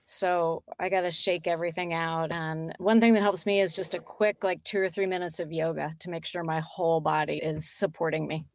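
A woman who is a voice actor, talking in an easygoing, practical way about warming up before sessions. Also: sits low, little pitch movement, fairly quick, few pauses. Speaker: voice actor panelist.

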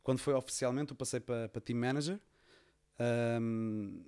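A man's voice: medium pitch, normal speed, clean tone. Man, European Portuguese accent, podcast guest, casual storytelling, lots of fillers. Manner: relaxed storytelling, many fillers and restarts. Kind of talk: casual conversation.

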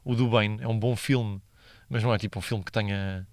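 A man's voice: fairly low pitch, steady tone, brisk, dry recording. A young man with a European Portuguese accent hosting a casual solo podcast, slangy and rambling, laughing at his own stories. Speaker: podcast host.

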